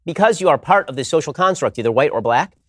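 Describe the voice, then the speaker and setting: A man on a studio panel making a fast, emphatic argument, with frequent rhetorical "right?" checks. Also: a little high, lively intonation, fairly bright tone, dry recording. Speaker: roundtable panelist. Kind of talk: rapid argumentative commentary.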